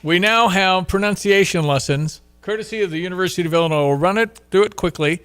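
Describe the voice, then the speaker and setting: A man hosting a casual sports radio chat, chatty and quick to laugh, often restarting his sentences. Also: high voice, fairly bright tone, smooth. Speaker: radio show host.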